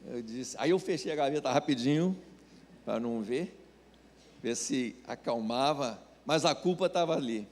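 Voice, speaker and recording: A man's voice: mid-range voice, lively intonation, moderate pace, darkish tone, long reverb tail. A Brazilian man, a pastor preaching a sermon, telling a personal story and acting out the voices in it. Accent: Brazilian Portuguese.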